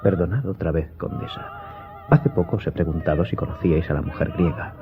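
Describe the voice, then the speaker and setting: An actor playing a courteous young gentleman in a radio drama, speaking with formal politeness. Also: deep voice, lively intonation, fairly quick. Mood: polite curiosity. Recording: dull lo-fi sound, loud music behind.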